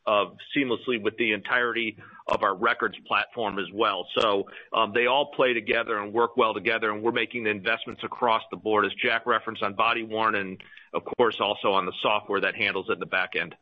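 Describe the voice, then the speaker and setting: A man with a fairly low voice explains company business on an earnings call. His phrasing is halting, and the sound is narrow like a telephone line. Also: fairly even intonation. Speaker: company executive. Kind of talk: earnings call answers to analysts. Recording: thin phone-line conference audio.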